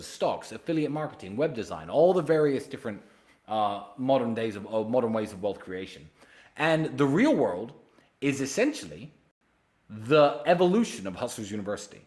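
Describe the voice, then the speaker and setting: A man hosting a casual solo livestream, answering viewer questions directly and pitching emphatically. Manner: direct, addresses viewers by name.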